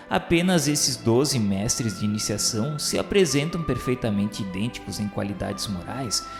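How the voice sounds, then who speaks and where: A Brazilian man giving a solemn, formal, reverent narration of a scripted radio novel in a declamatory, literary style. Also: mid-range voice. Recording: echoey hall reverb with music. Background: music.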